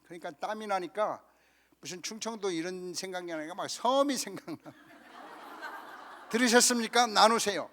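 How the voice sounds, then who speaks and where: A Korean pastor in his fifties preaching a lively, humorous story sermon at a church camp, acting out the people in his story. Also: high-pitched, moderate pace, long pauses, a little hiss or hum. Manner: animated storytelling, acting out quoted voices with laughter.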